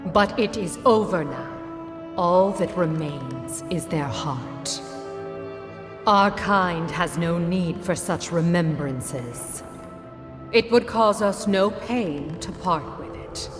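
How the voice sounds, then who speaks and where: An ancient female guardian of the woods for a fantasy game. She is solemn and formal, with a low pitch and extremely slow, measured delivery. Her voice rings in a long reverb over music. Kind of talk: scripted fantasy video game acting.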